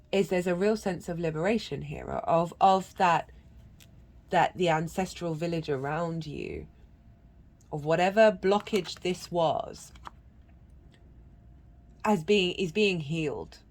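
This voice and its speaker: A woman's voice: fairly low pitch, measured pace, pauses often, a little mellow. A woman giving a channelled tarot reading, congested from a cold. She talks in an earnest, meandering way with many restarts and breaks into chanted syllables. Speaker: tarot reader.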